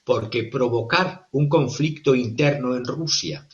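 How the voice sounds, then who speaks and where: A male political analyst giving formal, methodical commentary, often pausing on "eh" between points. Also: medium pitch, highs cut off. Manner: formal and methodical, with frequent hesitations.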